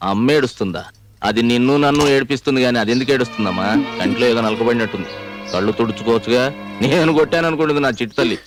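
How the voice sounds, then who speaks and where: An actor playing a doting, quick-talking father. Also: mid-range voice, music in the background, close to an everyday voice. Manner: affectionate with his daughter, deferential to elders. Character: doting middle-aged father of a daughter. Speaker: film character. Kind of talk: film comedy dialogue.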